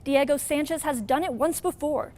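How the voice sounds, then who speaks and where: A woman's voice: high-pitched, normal speed, a little mellow. A woman with an American accent reading a scripted sports newscast as the anchor.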